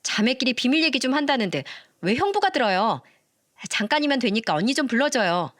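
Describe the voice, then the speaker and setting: Shrill, rude young woman, demanding and loud, put on by a woman narrator. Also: big pitch swings, brisk. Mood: pushy. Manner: shouting and swearing. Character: rude, greedy young woman, shrieking in anger.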